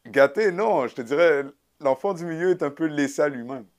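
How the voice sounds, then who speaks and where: A man's voice: fairly high pitch, animated, a little fast. A young man from Canada, a guest musician, answering interview questions in an easygoing, casual way. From Sherbrooke, Canada. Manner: easygoing, laughs lightly.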